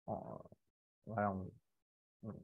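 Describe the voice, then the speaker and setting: A man hosting an online live interview, friendly and quick to laugh, with frequent hesitant fillers. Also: fairly low pitch, level tone, creaky, dry recording. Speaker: host. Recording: dull, dry sound.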